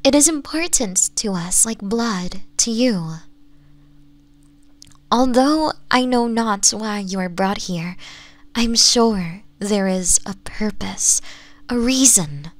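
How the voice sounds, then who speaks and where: Actress as possessive fox woman for ASMR roleplay: slow, coaxing, teasing, whispery at times, very dry close sound. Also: mid-range voice, expressive, no room sound. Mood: affectionate, welcoming. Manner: soft, coaxing, slips into breathy whispers. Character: possessive, flirtatious nine-tailed fox woman, sweetly teasing.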